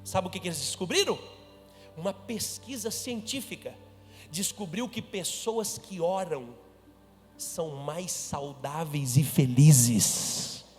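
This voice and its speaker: A man preaching a sermon as a pastor, emphatic and calling the congregation to repeat and shout. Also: a little high, expressive, slow, in a large hall, faint music behind.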